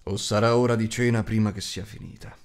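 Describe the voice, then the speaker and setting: A man voicing a gruff, rude, huge shape-changer who growls and talks bluntly. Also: lowish voice, steady tone, brisk, natural voice.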